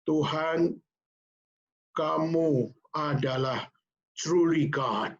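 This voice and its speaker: A man's voice: a little high, drawn-out words, dull audio. A man doing a tearful, ruined gambler begging for mercy. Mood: grateful. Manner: pleading, tearful prayer. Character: desperate ruined male gambler, tearful penitent husband.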